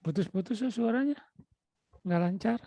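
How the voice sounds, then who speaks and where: In an online class, a lecturer with a Sundanese-influenced Indonesian accent coaxes his students and keeps calling out to them. His voice sits high and sounds animated, creaky, and warm at a moderate pace. The recording is dry, carried over dull, lo-fi video call audio.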